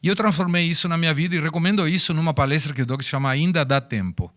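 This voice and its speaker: A man's voice: a little high, very fast, fairly bright tone. A man in his sixties from Argentina, with an Argentine accent, a native Spanish speaker, telling personal stories in a podcast interview in a reflective way. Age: 60s. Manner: reflective, storytelling, speaks of personal life lessons. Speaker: guest.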